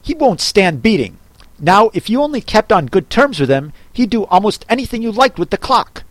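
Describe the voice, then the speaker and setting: A man voicing a fussy, contrary hatter who grumbles and talks down to others in quick bursts. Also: high voice, sing-song, no room sound, pitched above the performer's own voice. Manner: grumbling, contemptuous, quick talker.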